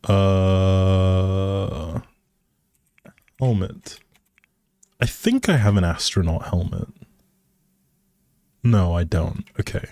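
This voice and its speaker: Easygoing guy streaming a game, low voice, slow chatty thinking out loud, dry sound. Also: dry recording. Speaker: game livestream host. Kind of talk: casual livestream commentary while playing a life simulation game.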